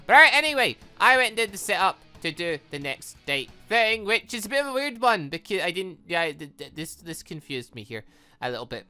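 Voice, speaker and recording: A man hosting a game playthrough, rambling casually and excitably as he thinks aloud and drifts off on tangents. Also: high-pitched, brisk, smooth, faint music behind. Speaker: host of a game playthrough series. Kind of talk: casual rambling gaming commentary.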